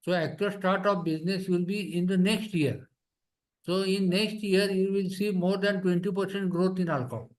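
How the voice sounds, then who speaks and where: A man's voice: sits high, fairly even intonation, normal speed. A man with an Indian accent answering investor questions on an earnings call as a company executive, emphatic and repeating his phrases.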